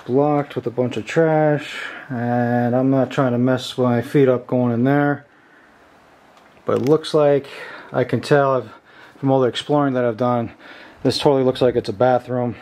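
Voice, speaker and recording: A man in his thirties narrating a casual exploration vlog as he walks, informal and halting, thinking aloud. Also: medium pitch, steady tone, a little mellow. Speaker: host exploring abandoned places. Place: outdoors and inside derelict buildings, walking. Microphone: handheld camera at arm's length. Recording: outdoor camera audio with background noise.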